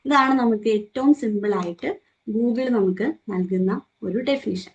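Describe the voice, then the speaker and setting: A woman's voice: a little high, unhurried, muffled recording. A young woman with a Malayali accent leads a group training session, asking the listeners questions and acting out quoted remarks. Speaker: trainer leading a morning session. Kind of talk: interactive talk to a group.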